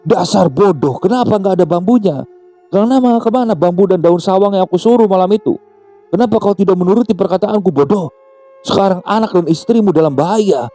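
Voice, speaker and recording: A man's voice: medium pitch, animated, a little fast, warm tone, faint music behind, lightly acted. A man voicing a stern old village grandmother healer who scolds harshly. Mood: scolding.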